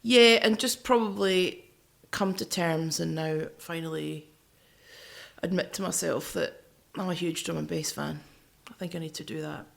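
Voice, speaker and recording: A woman's voice: low voice, unhurried, gravelly. A woman co-hosting a podcast, chatting casually about music. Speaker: podcast co-host.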